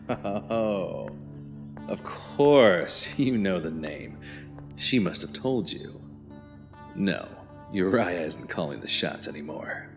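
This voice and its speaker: An actor playing a calm villain in an audio drama, unhurried and falsely courteous with quiet menace. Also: male voice, low-pitched, faint music behind, full character voice. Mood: smooth menace. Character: calm, soft-threatening male villain holding captives.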